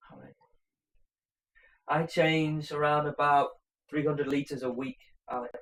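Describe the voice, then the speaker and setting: A man with a North Welsh accent speaks loudly at a moderate pace, his voice fairly high for a man, with long, frequent pauses. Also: fairly even intonation. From North Wales. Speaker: aquarium hobbyist YouTuber. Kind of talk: live stream Q&A. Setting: live stream at home. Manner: halting. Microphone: choppy audio, far from router.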